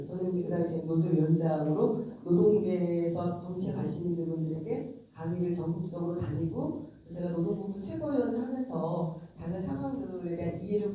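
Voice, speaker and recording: A woman's voice: medium pitch, warm tone, a little hiss or hum. Woman with a cold in an echoey hall. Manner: frank, emphatic, addresses audience directly. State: has a cold. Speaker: lawmaker giving a lecture. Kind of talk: conversational political lecture. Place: convention center lecture hall. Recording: very echoey hall, distant mic.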